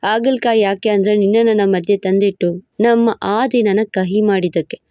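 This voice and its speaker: A woman voicing a playful, cocky young husband in a storybook romance, with a low, smug, teasing drawl. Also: fairly even intonation, moderate pace, no echo, dull audio, lightly acted. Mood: protective. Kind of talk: storybook narration with voiced roles.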